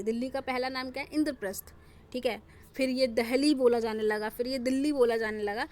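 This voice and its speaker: A woman teacher giving an online class lecture. She explains step by step and talks straight to her students, often restarting and correcting words as she goes. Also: on the high side.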